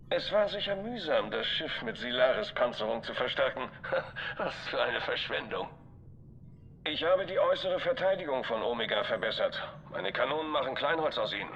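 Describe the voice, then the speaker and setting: A man's voice: mid-range voice, a bit bright, a little hiss or hum. An actor playing a smug, confident enemy general, heard over a ship communicator and talking down to his foes. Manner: taunting, condescending. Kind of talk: video game dub. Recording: dull lo-fi comm channel with music.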